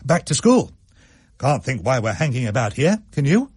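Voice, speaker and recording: A man doing a brisk, shaken schoolteacher. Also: mid-range voice, very animated, a little mellow, breathy edge, dry recording, studio quality. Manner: brisk, forced cheerfulness. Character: shaken middle-aged male schoolteacher, brisk.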